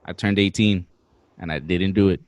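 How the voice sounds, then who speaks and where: A young man in his twenties telling a long story in a slangy, animated way, swearing as he goes. His voice sits a little low, and the recording is dry and close. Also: normal speed, no room sound. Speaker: podcast guest. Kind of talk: casual storytelling.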